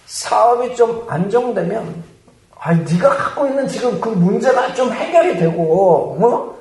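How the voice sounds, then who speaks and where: A man's voice: sits high, a little mellow, heavy reverb, recorded from a distance, full character voice, poor audio. A man whispering as a sly, coaxing devil. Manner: wheedling, persuasive.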